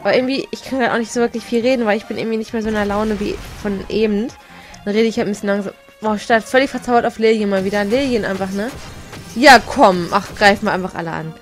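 Talking fast in a mid-range voice, this let's play gamer chats casually over her gameplay. She giggles often and stumbles over her words, with faint game music behind her.

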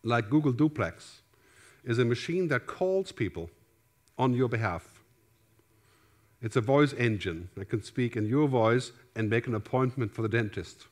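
A man's voice: medium pitch, expressive, unhurried. A middle-aged man with a German accent giving a conference keynote on a large theater stage. He speaks through a headset mic in a conversational way and often adds "right?". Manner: conversational, gestures widely, asks "right?" often.

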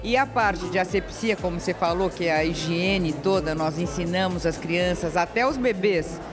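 A man's voice: high-pitched, moderate pace, over music. A man with a Brazilian Portuguese accent, speaking earnestly and formally about caring for children. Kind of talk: interview answer.

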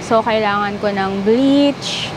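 A woman's voice: mid-range voice, takes it slowly. Chatty young woman vlogging in a supermarket. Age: young adult. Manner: chatty, reads out prices and product names. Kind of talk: casual vlog narration while shopping. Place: large air-conditioned supermarket. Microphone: handheld camera at arm's length. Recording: noisy store ambience.

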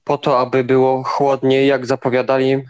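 A young man answering interview questions in an even, steady way, now and then restarting words. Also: medium pitch, moderate pace, clear, resonant tone. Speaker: interviewed athlete.

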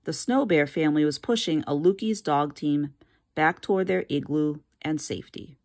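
A woman with a low voice reads a children's picture book aloud for her students. Her narration is expressive and steady, made for young listeners at home. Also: normal speed. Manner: expressive reading. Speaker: teacher reading aloud. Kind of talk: storybook read-aloud.

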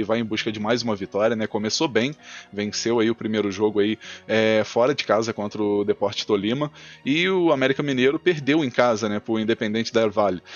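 A man's voice: mid-range voice, dull audio. A Brazilian man with a Brazilian Portuguese accent giving casual football betting tips, peppering his speech with filler tags. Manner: casual, fast, fills with "né" and "aí". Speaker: football tipster. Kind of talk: screen-recorded betting tips commentary.

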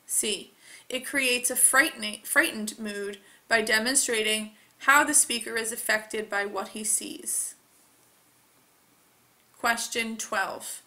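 A woman reads test material aloud with careful, deliberate delivery. Her voice is fairly high and bright, and she takes her time over each phrase. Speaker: test reader. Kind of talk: slow read-aloud of test questions.

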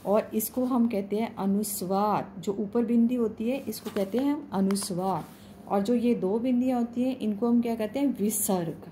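A woman's voice: medium pitch, normal speed, mellow, slight background noise. A woman teacher patiently explaining a school lesson to young children, often asking them questions and repeating herself. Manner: patient, repeats "ठीक है" and asks the class questions.

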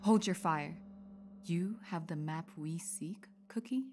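A woman's voice: on the low side, takes it slowly, heavy background noise. A woman voicing a haughty, cruel female pony warlord in a comic dub, condescending and threatening. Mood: coldly menacing. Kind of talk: amateur animated comic dub acting. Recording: loud music behind the voice. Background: music.

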